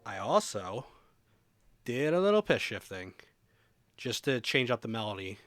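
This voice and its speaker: A man giving a casual software walkthrough as a music production tutorial presenter, thinking aloud informally as he demonstrates. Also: mid-range voice, sing-song, measured pace, very noisy.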